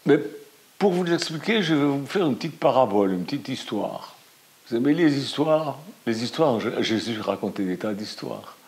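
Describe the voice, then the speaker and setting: A middle-aged Swiss French pastor preaching a sermon with animated, emphatic storytelling. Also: male voice, medium pitch, normal speed. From Valais, Switzerland.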